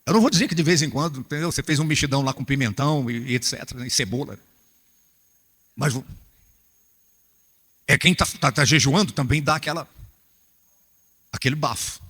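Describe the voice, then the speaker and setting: A Brazilian man preaching a humorous, animated sermon to church workers, acting out little scenes as he goes. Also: medium pitch, a little fast, long pauses, husky, in a large hall. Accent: Brazilian Portuguese.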